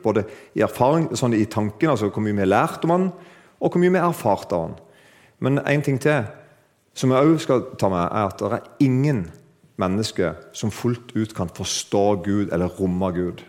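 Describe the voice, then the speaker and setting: A man's voice: lowish voice, expressive, darkish tone. A man preaching a sermon to a congregation, chatting with them and asking them questions, joking about himself, then building to emphatic, lifted declarations. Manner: conversational, asks the audience questions, builds to emphatic lifts; self-deprecating humor with laughs.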